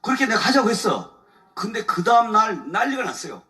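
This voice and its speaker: Bright, lively man speaking far off-mic. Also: high voice, a little fast. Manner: colloquial, chuckles often, aggrieved storytelling. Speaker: lawyer giving testimony at a church meeting. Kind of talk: animated testimony talk. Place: church evening service before a congregation.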